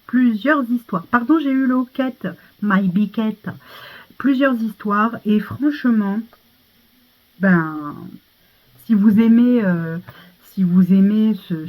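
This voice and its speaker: Chatty French woman, tinny sound. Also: medium pitch. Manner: chatty, many fillers and restarts. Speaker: vlogger reviewing monthly favourites. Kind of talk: casual chat.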